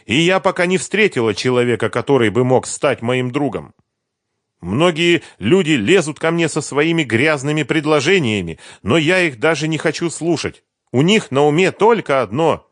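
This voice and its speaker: A man's voice: fairly high pitch, lively intonation, normal speed, dry recording, studio quality, pitched above the performer's own voice, close to an everyday voice. A man reading the part of a twenty-three-year-old woman singer, who sighs and talks persuasively about men and money. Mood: coaxing. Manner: sighing, persuasive, lightly complaining. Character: young woman pop singer, 23, coy and calculating.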